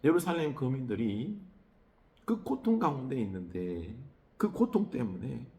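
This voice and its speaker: A male pastor gives an early-morning prayer sermon with a gravelly edge to his voice. His pitch swings widely and climbs on emotional words. He often pauses on fillers and checks in with the listeners through tag questions. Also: very animated, warm tone. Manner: conversational preaching with rhetorical tag questions; frequent hesitation fillers.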